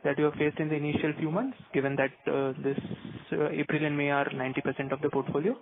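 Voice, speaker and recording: A man with a somewhat high voice asks questions as an analyst on a company call. He speaks off the cuff, and the audio is narrow and phone-like. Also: fairly even intonation, quick pace, a little hiss or hum. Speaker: financial analyst asking questions. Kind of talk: spontaneous questioning on an earnings call. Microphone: phone line. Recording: tinny phone conference line.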